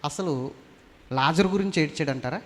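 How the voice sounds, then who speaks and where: A man's voice: a little high, moderate pace. A male pastor preaching a sermon, constantly questioning the congregation and climbing to fervent emphasis in a church hall.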